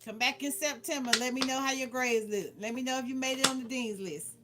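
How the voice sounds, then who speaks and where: Her voice sits high and moves a little fast as she hosts a casual card-reading livestream. She's blunt and playful in her advice, repeating phrases for emphasis, over a clearly noisy background with clicks.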